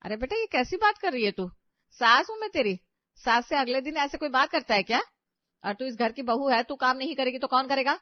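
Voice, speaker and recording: A woman's voice: sits high, expressive, a little fast, dry recording. A woman voicing an aging, long-suffering mother-in-law in a cartoon story, who pleads and scolds in exasperation. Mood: pleading. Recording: dry, slightly dull audio.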